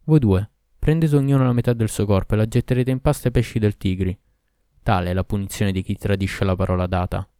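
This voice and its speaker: A man's voice: lowish voice, fairly even intonation, a little fast, warm tone, smooth, no echo, clean studio sound, lightly acted. A man reading aloud as a wrathful, jealous husband who declaims verses sternly. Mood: commanding.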